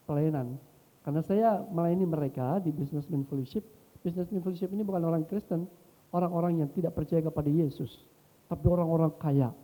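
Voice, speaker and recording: A middle-aged male pastor preaching a sermon, telling stories and swinging between soft asides and loud exhortation. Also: a little high. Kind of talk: sermon with storytelling. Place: church hall. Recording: long hall reverb.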